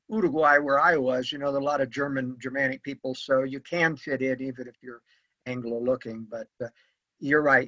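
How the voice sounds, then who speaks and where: A man's voice: medium pitch, a bit bright, dry recording. An older man, an author, giving earnest, rambling interview answers full of fillers. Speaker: author and guest. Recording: dull lo-fi audio.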